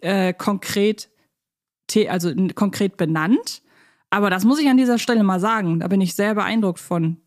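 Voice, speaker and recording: A woman's voice: medium pitch, moderate pace, dry recording. Woman chatting, close dry sound. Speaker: podcast co-host. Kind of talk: casual unscripted podcast chat about audio dramas.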